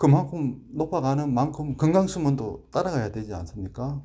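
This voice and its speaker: Speaking at a fairly slow pace, a man with a fairly high pitch and a dark, mellow tone uses lively intonation and some vocal fry. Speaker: YouTuber giving life advice. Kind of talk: monologue talk to camera. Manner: conversational, rhetorical questions.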